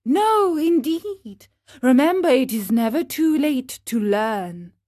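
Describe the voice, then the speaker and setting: A woman reading an audiobook, voicing a wise, motherly fairy who speaks calmly and tenderly. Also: high voice, takes it slowly, no room sound, clean studio sound, full character voice. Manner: calm, tender and instructive.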